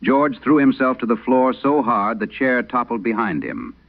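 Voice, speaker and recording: An actor playing an aging Irish Catholic priest and exorcist, telling his horror story in a solemn, measured radio-drama style. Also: mid-range voice, phone-quality sound, close to an everyday voice. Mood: haunted, solemn. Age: older.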